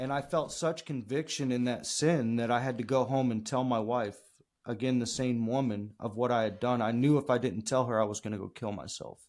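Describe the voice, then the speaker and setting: An unremarkable speaking voice from a man, medium in pitch, fairly quick and fairly even in intonation. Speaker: gospel rapper. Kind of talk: interview answer.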